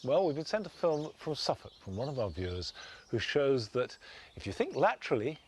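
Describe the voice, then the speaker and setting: A man presenting a gardening show outdoors in a garden, talking gently and with measured enthusiasm. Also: medium pitch, big pitch swings, slight background noise. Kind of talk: relaxed instructional garden presenting.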